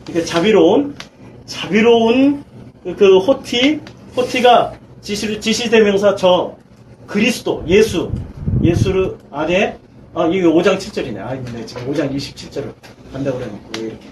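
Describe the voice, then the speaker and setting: A man with a high-pitched voice leads a church Bible study as its pastor. He teaches emphatically, asking his listeners question after question and mixing casual and polite speech. A faint background noise runs under the recording. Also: expressive, moderate pace, rough recording. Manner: emphatic, swings between loud and quiet.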